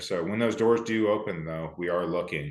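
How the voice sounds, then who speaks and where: A man speaks with an American accent at a moderate pace and fairly even intonation. The background is quiet. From California. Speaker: competitive shooter and soldier. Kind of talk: podcast interview. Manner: monotone; laid-back.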